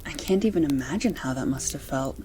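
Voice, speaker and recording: A woman playing a sympathetic partner in an amateur audio drama, speaking in a soft, soothing, caring manner. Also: extremely low pitch, lively intonation, brisk. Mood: tender, concerned. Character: caring, sympathetic female partner listening to her man. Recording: faint music under the voice.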